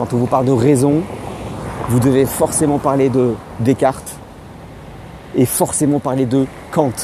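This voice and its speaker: With a French accent, a man speaks at a fairly slow pace and a medium pitch, his intonation fairly even, leaving long, frequent pauses. Noticeable background noise runs behind him. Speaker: livestreamer teaching philosophy. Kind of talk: live stream talk to viewers. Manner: hesitant, many fillers.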